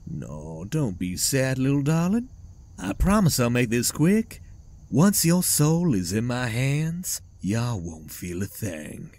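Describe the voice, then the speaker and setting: A drawling scarecrow soul collector. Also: male voice, medium pitch, wildly swooping pitch, takes it slowly, a little mellow, full character voice. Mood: mock sympathy. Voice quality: drawling, teasing, theatrical. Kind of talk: audio drama acting.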